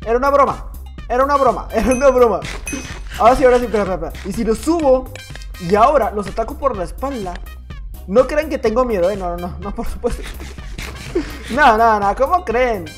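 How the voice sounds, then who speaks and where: A man's voice: sits high, expressive, a little fast, faint music behind. A man with a Mexican accent giving playful, teasing gameplay commentary as a gaming YouTuber. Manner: playful, teasing, jokey banter.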